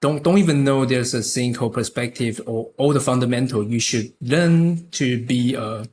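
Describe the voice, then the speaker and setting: A young man from Taiwan, a native Chinese speaker with a Taiwanese accent, chatting haltingly as a podcast guest with many restarts. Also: medium pitch, a little mellow, a little hiss or hum. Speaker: podcast guest, concept artist. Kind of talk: casual interview chat.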